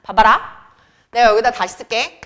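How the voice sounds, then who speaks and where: A young woman teaching a grammar lesson to students in a chatty way, quizzing them with quick questions. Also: fairly high pitch, fairly bright tone. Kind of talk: classroom lecture.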